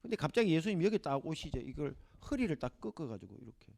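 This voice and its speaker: A middle-aged male professor gives a Bible lecture. His voice sits high and leaps around expressively. He acts out the scenes vividly for the class. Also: big pitch swings, fast talker, vocal fry, darkish tone.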